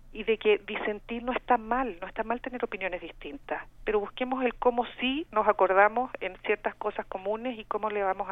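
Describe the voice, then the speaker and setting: A woman's voice: mid-range voice, no echo. A middle-aged Chilean woman calling in to a radio talk show as a community organizer, speaking earnestly with many restarts. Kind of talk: phone-in radio discussion. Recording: tinny phone line.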